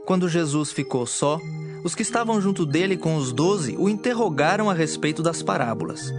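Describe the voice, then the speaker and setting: A man giving measured, formal narration for a dramatized audio Bible. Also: a little high, expressive. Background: music.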